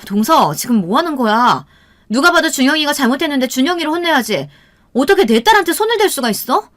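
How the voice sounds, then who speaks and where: A woman's voice: on the high side, animated, fairly quick, lightly acted. A woman voicing a long-suffering young mother who speaks with firm reproach in an audio storybook. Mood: shocked anger. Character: long-suffering, exasperated young mother standing her ground.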